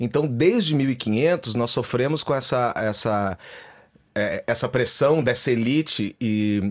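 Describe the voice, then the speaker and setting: A man's medium-pitched, a normal speaking voice with lively intonation. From Brazil. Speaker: musical theatre actor. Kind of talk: radio interview.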